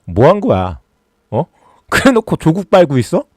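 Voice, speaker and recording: A man hosts a political livestream in a sarcastic, mocking tone that builds into exasperated rants. His pitch swings widely as he talks, and the sound is dry and close with no room in it. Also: huge pitch swings, moderate pace, a little mellow, slightly rough, no room sound. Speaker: political YouTube host. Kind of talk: casual political commentary livestream.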